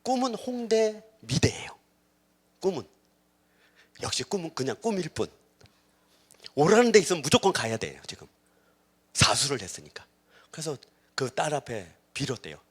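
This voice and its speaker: Man, middle-aged, pastor, sermon, lively swooping pitch, acted-out quotes. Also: moderate pace, long pauses, slightly rough. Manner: animated storytelling, acting out quoted voices, shifting from hushed to loud.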